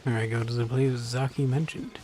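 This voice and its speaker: A man's voice: mid-range voice, steady tone, a little fast, background noise. A man giving casual, jokey gameplay commentary with a wry manner. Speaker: game streamer.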